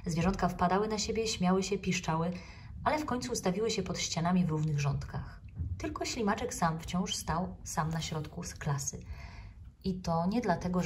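Calm woman reading a children's story. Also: lowish voice, recorded from a distance, a little hiss or hum. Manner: calm, measured, clear. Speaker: actress reading a children's book.

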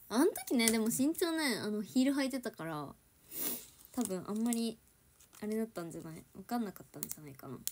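A woman's voice: fairly high pitch, a little mellow, a little hiss or hum. A young woman with a Kansai accent chatting casually with viewers on a livestream, giggling often and switching between standard Japanese and Kansai dialect. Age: young adult. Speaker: idol livestreamer. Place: home.

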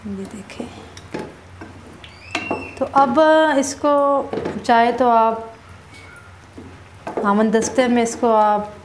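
A woman cooking in her home kitchen, calmly explaining each step of a recipe to her viewers as she stirs at the stove. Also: on the high side, drawn-out words, long pauses, heavy background noise. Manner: calm, instructive, addresses viewers directly. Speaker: cooking vlogger.

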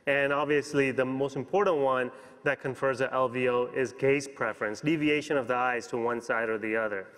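A man in his thirties giving a conference keynote as a physician, explaining briskly and checking in with "you know" and "okay?" on a lapel mic. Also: medium pitch, steady tone, fairly bright tone. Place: large conference hall stage. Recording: long hall reverb.

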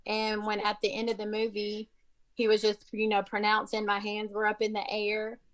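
A middle-aged woman from Alabama with a hoarse voice, telling her testimony excitedly on a video call. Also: medium pitch, normal speed. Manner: excited, emphatic, repeats herself. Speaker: Zoom caller sharing a testimony. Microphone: laptop webcam video call.

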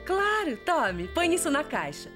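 High-voiced, animated cartoon mom. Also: female voice, a little slow, over music. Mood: patient. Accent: Brazilian. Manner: patient, motherly, expressive. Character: busy, mildly exasperated young mother. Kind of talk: Brazilian cartoon dubbing.

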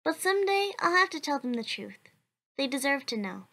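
A woman's voice: high voice, very animated, brisk, pushed and bright, exaggerated voice. A woman voicing a kind, cheerful, determined young child in a cartoon comic dub, with an earnest, chatty manner.

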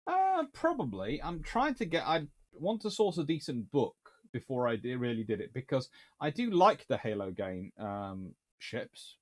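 Man in his 30s, home-study Q&A host, animated and dryly funny, rambling with fillers. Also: mid-range voice, normal speed. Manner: chatty, wry, with dry humour and frequent fillers. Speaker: naval historian answering viewer questions. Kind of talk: casual livestream Q&A. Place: small home study with bookshelves.

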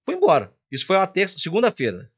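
Fast and husky with a high voice, an older man from Minas Gerais, Brazil, carrying a Mineiro accent, tells a story as a guest singer on a podcast. He delivers it animatedly, performing all the dialogue himself.

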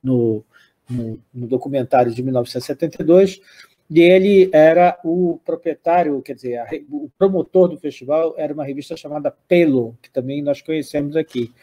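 A man's voice: on the high side, a little fast, warm tone, breathy edge. A Brazilian man, older, hosting a music program and talking unscripted, rambling with frequent restarts and tag questions. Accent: Brazilian Portuguese. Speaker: music show host. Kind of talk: unscripted spoken commentary.

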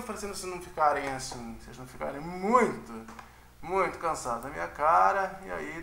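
Man, music teacher, high bright voice, roomy echo. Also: creaky. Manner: chatty, with frequent tag questions. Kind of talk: casual online lecture.

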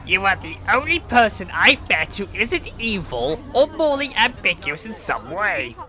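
A man's voice: high-pitched, sing-song, moderate pace, sharp tone, heavily acted. A man voicing a small, loyal talking toy bird in an amateur audio play, earnest and emphatic.

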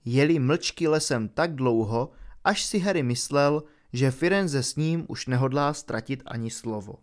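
A man narrating an audiobook in a steady, measured way. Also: mid-range voice.

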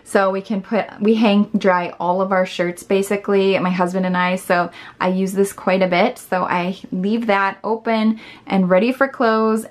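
A woman in her thirties giving a casual, upbeat tour of her small laundry room, filmed on a handheld phone. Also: mid-range voice. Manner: chatty and upbeat, with fillers and small laughs. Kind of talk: casual home tour chat. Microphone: handheld phone camera.

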